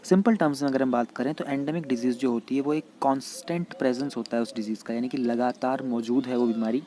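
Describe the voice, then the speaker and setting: Man teaching in mellow Hindi-English. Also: mid-range voice, fairly even intonation, slight background noise. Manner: explanatory, reads English passages slowly then explains in Hindi. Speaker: exam-prep teacher. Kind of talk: Hindi-English lecture explaining current affairs.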